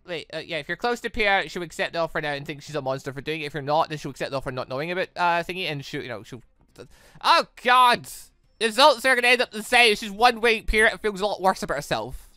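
A woman giving casual, rambling, animated commentary as a gaming channel host. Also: fairly low pitch, fast, no echo, faint music behind.

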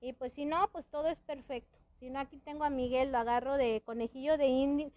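A woman's voice: high-pitched, steady tone, a little fast, highs cut off. A woman hosting a casual live-stream chat from a friend's house, rambling with many restarts and little laughs, her speech a bit hampered by a dental palate. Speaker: host.

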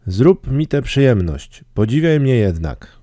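A man's voice: medium pitch, sing-song, a little slow, mellow, dry recording, clean studio sound, voice pushed up. A man voicing a vain, self-admiring grown man in a storybook reading, pompous and self-satisfied.

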